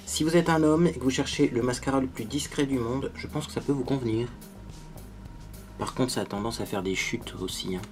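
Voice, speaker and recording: A man's voice: medium pitch, a little fast, music in the background. Chatty man doing a makeup tutorial. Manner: chatty, self-mocking, tags sentences with "hein". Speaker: beauty vlogger.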